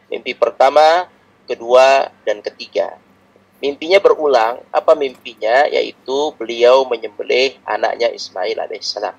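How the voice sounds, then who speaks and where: A man preaching a religious lecture in a calm, explanatory teaching manner, repeating his points often. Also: mid-range voice, vocal fry, slightly rough, rough recording.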